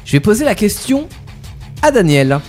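A man's voice: sits high, sing-song, moderate pace, darkish tone, faint music behind. A man hosting a casual radio quiz, playful, repeating his questions and laughing at himself.

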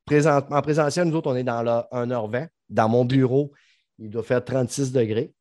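A middle-aged man speaks with a Saguenay Quebec French accent in a casual podcast chat. His voice sits at an ordinary pitch for a man, and he jokes bluntly, dropping swear words freely. The sound is dry and close, with no room around it. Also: fairly even intonation, moderate pace, a little mellow, no echo. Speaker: podcast host.

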